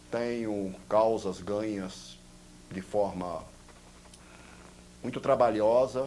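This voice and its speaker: A man speaks at a very slow pace, leaving long, frequent pauses. His pitch is fairly low and his intonation fairly even. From Brazil, Recife (Northeast). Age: 60s. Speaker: TV actor and lawyer. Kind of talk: interview testimony.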